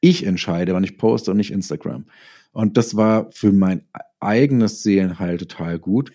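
A middle-aged man with a low, very mellow voice chats as an interview guest. He speaks in a reflective, conversational way, working through his reasoning and slipping into quoted self-talk. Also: normal speed.

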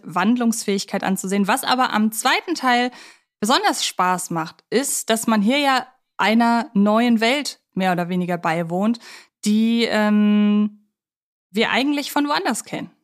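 A woman co-hosting a podcast in a studio, discussing films casually in an enthusiastic, reflective way. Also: a little high.

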